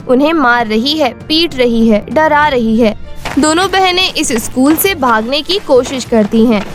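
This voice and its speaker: High-voiced woman story narrator. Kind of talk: dramatic scripted story narration.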